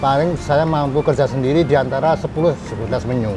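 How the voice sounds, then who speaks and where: An older man from Indonesia tells his story at an easy, unhurried pace, stopping and restarting his sentences. His voice sits in a middle pitch. Music plays clearly behind him outdoors. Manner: hesitant, plain storytelling with restarts. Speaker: restaurant owner and former chef. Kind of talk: casual interview.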